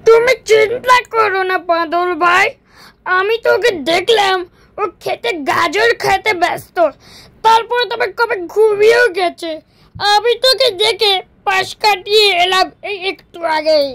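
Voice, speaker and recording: A performer voicing a patient, determined tortoise in a children's cartoon, unhurried and calmly self-assured. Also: very high-pitched, full character voice. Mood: reassuring. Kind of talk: children's moral-story cartoon dialogue.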